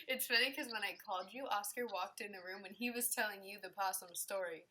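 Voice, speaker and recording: A woman's voice: medium pitch, brisk, sharp tone. A woman hosting a casual livestream from home, chatting and laughing often while wearing headphones. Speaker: livestream host. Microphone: headphones with mic.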